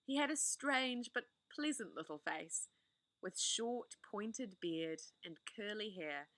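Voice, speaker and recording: A woman reading a children's novel aloud, expressive, with the odd small slip. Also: medium pitch, takes it slowly, dry recording. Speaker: storybook reader.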